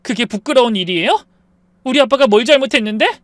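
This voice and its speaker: A wounded young wife and loyal daughter from an audio story, voiced by a male reader, her voice pitched high and lively. She pleads tenderly and then flares up indignantly. The sound is dry and close. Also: a little fast, no room sound.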